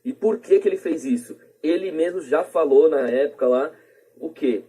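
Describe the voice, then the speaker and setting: A man's voice: a little high, moderate pace, mellow, slightly rough. A man with a Brazilian accent explaining things casually through examples as a podcast guest.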